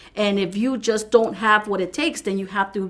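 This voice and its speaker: A woman speaks with a non-native accent at a moderate pace. Her intonation is fairly even. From Texas. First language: ASL. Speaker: sign language interpreter. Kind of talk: interview. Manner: halting, many fillers and repetitions.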